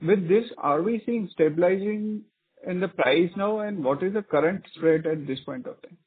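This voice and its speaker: A man's voice: high voice, moderate pace, breathy edge. A man with an Indian accent asking business questions as an analyst, hesitant and rephrasing as he goes. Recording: muffled, narrow phone line.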